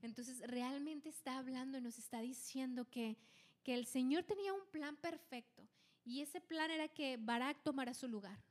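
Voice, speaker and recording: A woman co-hosting a podcast, retelling a Bible story in casual chat with lively delivery and frequent restarts. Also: high-pitched, normal speed. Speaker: podcast co-host.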